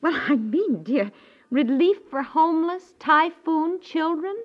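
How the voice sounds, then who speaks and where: Sweet but reproachful wife, higher-pitched voice, American accent, coaxing, 1950s radio comedy, dull old broadcast sound. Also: female voice, animated, slow. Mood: annoyed, reproachful. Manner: coaxing, hesitant, with endearments. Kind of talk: 1950s radio comedy acting, naturalistic domestic dialogue.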